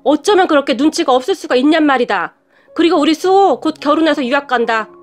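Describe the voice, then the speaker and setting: A cold, scornful middle-aged mother, as a woman narrator puts her on, snapping and scolding in a storybook reading. The voice sits high, with faint music underneath. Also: lively intonation, fast. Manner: sharp, scolding, talks down.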